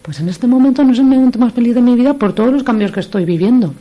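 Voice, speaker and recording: A woman's voice: a little high, expressive, very fast, muffled recording. A woman psychologist explaining things on a radio talk show, using everyday examples. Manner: explanatory, gives examples with quoted phrases. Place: radio studio.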